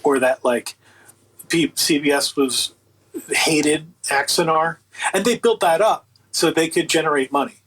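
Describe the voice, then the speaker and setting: A man's voice: fairly high pitch, measured pace, fairly bright tone, breathy edge, low-quality recording. A man speaking as an interview guest, chatting casually and giving his opinions in an emphatic, colloquial way. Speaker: interview guest, audio book producer.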